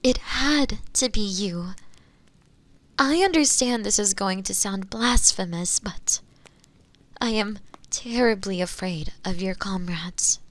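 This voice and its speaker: A woman playing a meek, pleading witch prisoner in a fantasy audio drama, with halting, deferential, formal speech that often turns breathy. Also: medium pitch, a bit bright. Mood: hopeful, deferential. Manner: halting, deferential, formal old-fashioned phrasing, often breathy and near-whispering. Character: meek, pleading imprisoned witch feigning frail innocence. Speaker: voice actor in an audio roleplay. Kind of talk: fantasy roleplay audio drama acting, addressing the listener.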